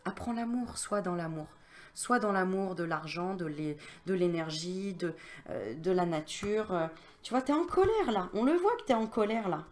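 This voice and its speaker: A woman's voice: lowish voice, animated, normal speed, a little mellow. A woman medium giving a casual card reading straight to the viewer, chatty and familiar, coaxing and reassuring with lots of fillers.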